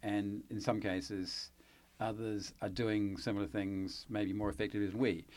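On a very clean recording with a silent background, a man with a New Zealand accent speaks at a fairly low pitch. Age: 60s. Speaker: ambassador. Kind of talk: interview.

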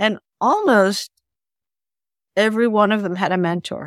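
A woman talks with ordinary pitch variation, captured on a very clean recording with a silent background. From Peru and Baltimore, US. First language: Spanish. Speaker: economist. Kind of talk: interview.

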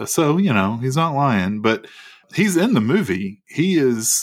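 In a very clean recording with a silent background, a man with an ordinary speaking voice talks at a fairly slow pace with lively intonation. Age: 40s. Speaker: podcast co-host. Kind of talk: casual chat.

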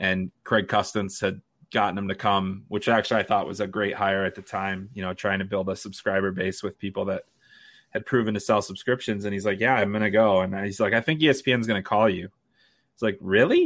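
A man with an American accent talks at a fairly quick pace in a fairly low pitch with fairly even intonation. It is an ordinary speaking voice on a very clean recording with a silent background. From Chicago, US Midwest. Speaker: hockey writer and podcaster. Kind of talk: casual interview.

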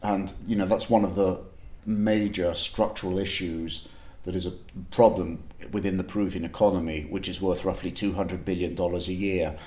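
A man with a very deep, low pitch and a dark, mellow tone speaks at a moderate pace. His intonation is monotone and flat, with audible room echo. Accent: English. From England. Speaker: freelance environmental journalist. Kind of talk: field reporting. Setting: outdoors on a fishing pier.

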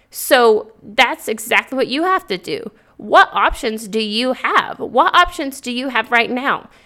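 In a raised, projected voice, a woman speaks at a fairly slow pace with hardly any pauses, her high pitch, lively intonation and bright, sharp tone standing out. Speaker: podcast host. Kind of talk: solo podcast talk. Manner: loud; warm, encouraging.

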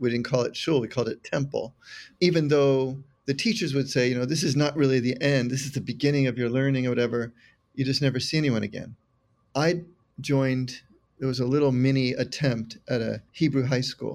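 A man's normal speaking voice in an American accent, medium in pitch, with fairly even intonation and a fairly quick pace, on a very clean recording with a silent background. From Northern California, San Francisco Bay Area. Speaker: filmmaker. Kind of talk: interview storytelling.

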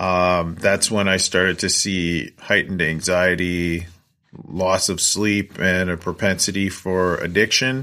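Speaking at a fairly slow pace in a western Canadian accent, a man with a very deep, low pitch has a bright, sharp tone on a very clean recording with a silent background. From Canada, British Columbia (Coquitlam, near Vancouver). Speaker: pastor. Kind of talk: interview.

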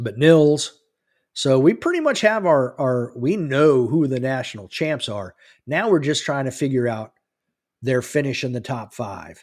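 A plain, everyday voice from a man, medium in pitch, at a fairly slow pace. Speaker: sports commentator. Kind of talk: live sports commentary. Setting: screen-sharing online broadcast. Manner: casual, conversational, slightly informal.

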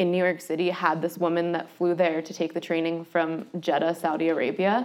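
A plain, everyday voice belongs to a woman with a fairly low pitch. She talks at a fairly quick pace. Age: 30s. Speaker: workshop leader and podcast host. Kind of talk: lecture to a live group.

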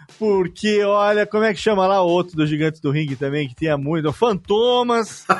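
A man with a high pitch talks at a moderate pace. He hardly pauses at all. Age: 40s. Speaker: podcaster. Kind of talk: casual chat. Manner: animated.

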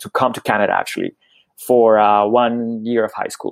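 A man is speaking. He has a Spanish accent. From Colombia, Bogota. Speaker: career coach. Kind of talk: interview.

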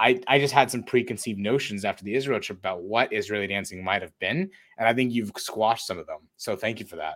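The speaker sounds enthusiastic, going at a very fast pace with hardly any pauses and big swings in loudness. Pitch variation is ordinary, and the recording is very clean with a silent background. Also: man, medium pitch for a man. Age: 20s. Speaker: podcast host. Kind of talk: interview.

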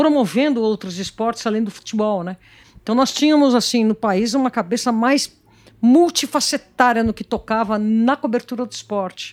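A woman's fairly high-pitched voice, an unremarkable speaking voice with ordinary pitch variation at a moderate pace, on a very clean recording with a silent background. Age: 60s. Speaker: cycling activist and video reporter. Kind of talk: interview.

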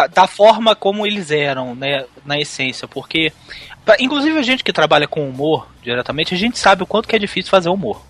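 This man's voice is high in pitch. It moves through very wide pitch swings. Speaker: podcaster. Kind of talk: casual chat.

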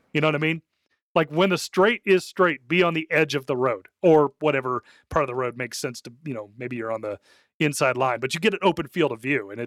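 A man with a normal speaking voice talks at a fairly quick pace and fairly high pitch, with lively intonation and big swings in loudness. The very clean recording has a silent background and a dry, close sound with no echo. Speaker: motorcycle podcast co-host. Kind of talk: casual chat.

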